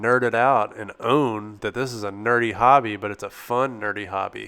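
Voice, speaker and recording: A man talks loudly at a moderate pace with fairly even intonation. His medium-pitched voice has a bright, sharp tone. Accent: American. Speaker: sports card hobby YouTuber. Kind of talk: casual monologue.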